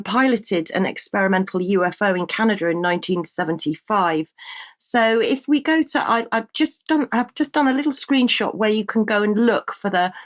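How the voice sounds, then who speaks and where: Slightly croaky woman presenting the news. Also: medium pitch. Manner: conversational, with frequent ums and restarts. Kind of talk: casual current-affairs commentary.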